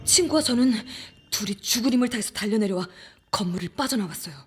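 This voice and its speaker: A woman playing a frightened young woman who recounts a ghost story in a hushed, confiding, suspenseful way. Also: medium pitch, lively intonation, fast talker, music in the background, close to an everyday voice. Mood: grim suspense. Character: frightened young woman recounting her haunted rented room. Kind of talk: dramatic first-person horror audiobook narration.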